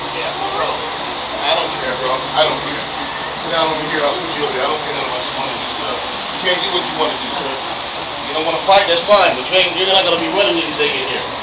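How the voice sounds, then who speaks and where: Loud background noise fills the recording. Over it, a man speaks at a very fast pace. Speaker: martial arts instructor refereeing. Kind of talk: commands and coaching. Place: gym. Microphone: camera far.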